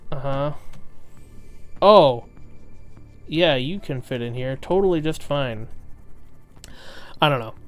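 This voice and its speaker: A man with a lisp giving excitable, self-mocking commentary while streaming a game, swearing now and then. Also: medium pitch, measured pace, pauses often, clear, resonant tone, soft background music. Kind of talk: casual gameplay commentary.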